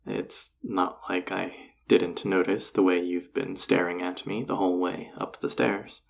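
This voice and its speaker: A man acts out a self-assured male enchanter boss in an intimate fantasy audio roleplay. His voice is low and gravelly, with a husky edge. He talks straight to the listener, teasing and coaxing with casual, flirtatious confidence. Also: steady tone, unhurried, exaggerated voice. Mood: flirty, teasing. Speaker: voice actor.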